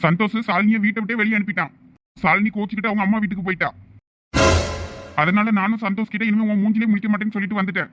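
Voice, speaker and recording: A man's voice: sits high, steady tone, very fast, lo-fi sound, soft background music, lightly acted. A man voicing a loyal, hot-tempered young male friend in a cartoon, with a Thoothukudi Tamil accent. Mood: irritated. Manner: scolding, pleading with his friend. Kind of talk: cartoon voice acting.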